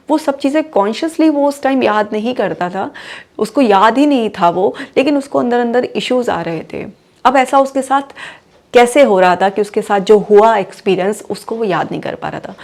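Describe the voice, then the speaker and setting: A woman psychologist with an Indian accent explaining a topic calmly through a case example, mixing Hindi and English words. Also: mid-range voice. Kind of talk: explanatory talk on mental health.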